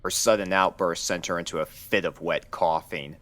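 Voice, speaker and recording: A man's voice: sits low, fairly even intonation, moderate pace, fairly bright tone. A man reading scripted fan fiction as the narrator of a dramatic story.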